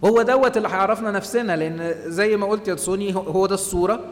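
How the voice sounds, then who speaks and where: A man with an Egyptian Arabic accent giving an animated church talk to a group, acting out the voices people use on themselves. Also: high voice, very fast, in a large hall. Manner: animated, acts out inner voices. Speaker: church speaker.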